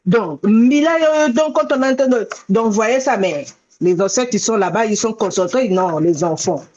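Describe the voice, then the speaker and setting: A woman's voice: medium pitch, normal speed, darkish tone, highs cut off. A woman hosting a casual live video chat, talking emphatically, repeating herself and mixing in Kikongo words. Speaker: host of a live show. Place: in America.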